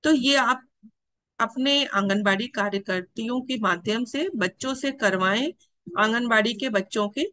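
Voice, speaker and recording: A woman's voice: fairly high pitch, unhurried, bright, forceful tone, no echo. A woman earnestly instructing teachers and childcare workers in a formal training address. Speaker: education official addressing teachers.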